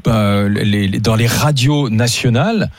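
A male radio host leading a studio discussion, chatty and quick to jump in. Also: medium pitch, no echo. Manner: chatty, jumps in often. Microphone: studio microphone.

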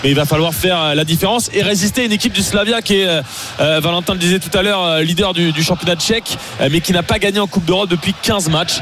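A man's voice: high-pitched, fast, fairly bright tone, faint music behind. A man giving a live football report as a match correspondent.

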